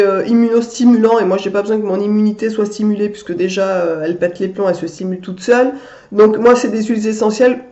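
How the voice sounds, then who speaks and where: A woman's voice: medium pitch, mellow. Woman vlogger, stuffed-up cold voice, chatty and hesitant, roomy echo. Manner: chatty, many fillers and restarts. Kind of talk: casual chat to camera. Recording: echoey room, dull lo-fi sound.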